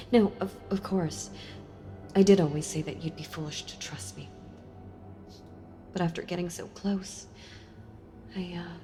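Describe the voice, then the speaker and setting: A woman playing a sealed-away female villain in an audio role-play, speaking to the listener tenderly, intimately and with hesitant pauses. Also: on the low side, mellow. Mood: hurt, resigned. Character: sealed-away female villain, wistful, softly seductive and enthralled. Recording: long reverb with music behind. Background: music.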